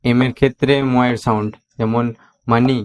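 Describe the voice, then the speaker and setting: Bengali guy teaching english, spells stuff out letter by letter, kinda flat monotone. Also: medium pitch, clean tone. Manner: explains slowly, spells out letters one by one and repeats words. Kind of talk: spoken English lesson.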